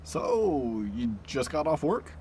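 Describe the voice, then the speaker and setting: A man's voice: a little high, huge pitch swings, slow, gravelly, darkish tone, full character voice. An actor playing a boisterous, teasing train crewman in an audio drama, with a theatrical, chummy manner. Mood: cheerful. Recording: station ambience noise behind voice.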